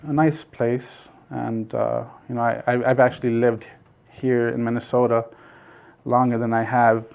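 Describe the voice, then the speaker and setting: A man's voice: mid-range voice, level tone, unhurried, vocal fry, a little mellow. A middle-aged man from South Texas whose first language is Basque, telling his family story as an interview guest, with many fillers and restarts. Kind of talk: casual storytelling.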